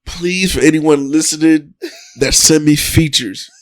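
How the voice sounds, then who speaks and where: A man with a voice pitched a little high tells stories in a relaxed podcast conversation. His talk is loose, animated and full of swearing. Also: unhurried. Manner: profane, animated storytelling. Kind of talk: casual podcast chat.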